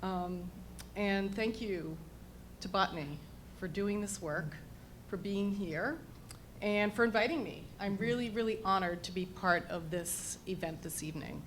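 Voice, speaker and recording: An American woman leading a conversation at a live event, projecting like a teacher and repeating words for emphasis. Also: moderate pace. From New England, US. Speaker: anthropologist leading an on-stage conversation. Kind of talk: live public conversation, informal introduction. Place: indoor public event venue. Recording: noisy live event with rumble.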